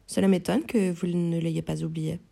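A woman reading the part of a guarded, quietly threatening handmaid in an audiobook. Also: lowish voice, normal speed, vocal fry. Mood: cold warning. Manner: light, flat, quietly threatening.

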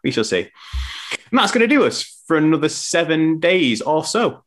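A man's voice: a little high, very animated, moderate pace. A young man hosting a casual sports podcast over a video call, chatty and rambling, often correcting himself. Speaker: podcast host.

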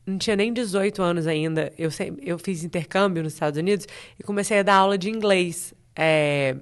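Woman, 30s, smooth clear voice, chatty storyteller, podcast guest. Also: lowish voice, a little fast. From Brazil, grew up in Espírito Santo. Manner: chatty, lively storyteller who laughs easily. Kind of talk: casual interview chat.

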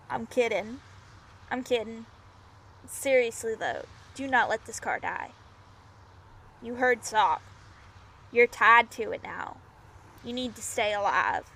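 A woman's voice: a little high, takes it slowly, gravelly, pauses often, sharp tone, a little hiss or hum, heavily acted. A woman playing a weary, protective young traveller in an audio drama, casual and blunt in delivery. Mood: wry, concerned. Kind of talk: naturalistic audio drama acting.

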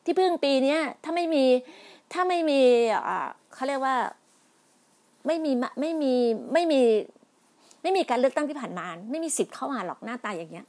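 A woman's voice: high voice, big pitch swings, brisk, a little mellow. A middle-aged woman speaking in a heated political monologue, scolding and pleading by turns, with many restarts and repetitions. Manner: emphatic, scolding, repeats herself with many restarts; polite particles, pleading then indignant.

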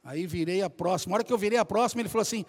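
A man preaching a sermon, telling lively stories and calling out to the congregation as brothers. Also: high-pitched, rapid-fire, breathy edge. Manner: animated storytelling, addresses congregation as brothers.

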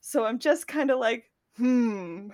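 A woman's voice: medium pitch, unhurried, dry recording. Chatty woman with a dry, close sound. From New England. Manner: laughing, animated storytelling. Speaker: podcast co-host. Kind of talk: casual chat.

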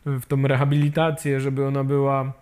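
A man speaks as an interview guest, casual and unpolished. His voice sits at an ordinary middle pitch, and he stumbles through restarts and fillers, often ending his thoughts with a quick tag question. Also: monotone, a little mellow. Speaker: guest, amputee peer support volunteer.

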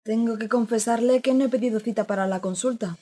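A woman's voice: fairly high pitch, quick pace, dark tone, natural voice. A woman playing a curious, persistent young journalist who asks polite questions. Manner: inquisitive, polite. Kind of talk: radio drama acting.

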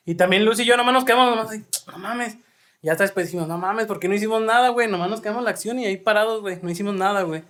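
A man with a Mexican accent co-hosting a podcast, telling a story in quick slangy casual chat. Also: sits high, a bit bright. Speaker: podcast co-host.

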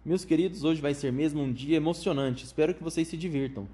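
A man voicing an eccentric, excitable chocolate factory owner with a high, flute-like voice who gushes out strings of welcomes. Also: natural voice. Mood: gushing. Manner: gushing, rapid strings of enthusiastic welcomes.

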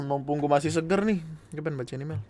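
Animated swearing man. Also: on the high side. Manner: animated, swearing, laughing storyteller. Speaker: podcast host. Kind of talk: casual chat, reading listener emails.

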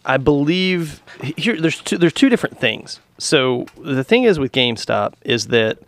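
A man's voice: a little high, sing-song, a little slow, dry recording. A man co-hosting a podcast, chatting casually and rambling with lots of restarts and fillers. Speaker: podcast co-host. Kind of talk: casual chat about stocks.

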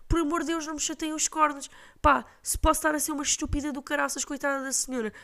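A woman with a European Portuguese accent tells a story on her podcast in a blunt, exasperated monologue. Her voice sits high for a woman. She swears casually. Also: flat delivery, quick pace, sharp tone. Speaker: podcast host.

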